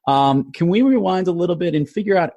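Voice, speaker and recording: A man's voice: sits high, expressive, quick pace, mellow. A man hosting a podcast interview, asking questions in a casual way and restarting his phrases often. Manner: casual, restarts and repeats words. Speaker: podcast host.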